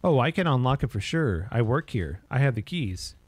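A man's voice: medium pitch, big pitch swings, moderate pace, dry recording. Man reading as a hesitant, uneasy gas station worker. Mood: spooked, defensive. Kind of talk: reading game dialogue aloud.

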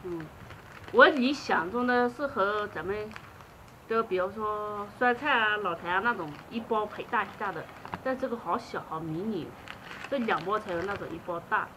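A woman's voice: mid-range voice, background noise. A young woman chatting casually outdoors in a rural yard, an easygoing food vlogger. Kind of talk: casual chat.

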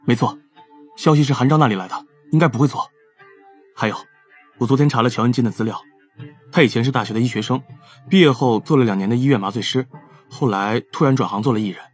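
A man's voice: mid-range voice, fast talker, pauses often, slightly rough, natural voice. An actor playing an earnest male detective reporting findings in an audio drama. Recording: faint music under the voice.

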